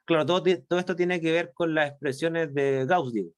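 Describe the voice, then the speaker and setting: A man giving a university chemistry lecture, explaining step by step, slowing down to stress key points and often checking that students follow. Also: fairly high pitch, smooth. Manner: explanatory, checks understanding with frequent tag questions. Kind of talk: online class lecture.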